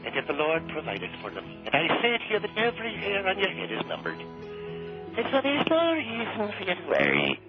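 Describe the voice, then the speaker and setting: A man voicing a lilting Irish priest who used to be a violent New York cop, swinging from gentle preaching to brutal shouting. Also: high-pitched, huge pitch swings, moderate pace, pitched above the performer's own voice. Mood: preachy calm. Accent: Irish, put on. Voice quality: lilting, sing-song. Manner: switches between soothing preaching and brutal shouting. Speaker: radio comedy character. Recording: lo-fi radio broadcast with music underneath.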